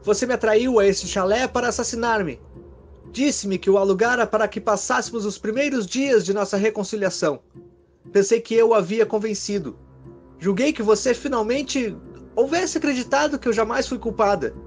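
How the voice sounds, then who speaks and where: Man acting a high, desperate young woman pleading. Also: moderate pace, faint music behind. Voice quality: strained, choked. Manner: pleading, crying out.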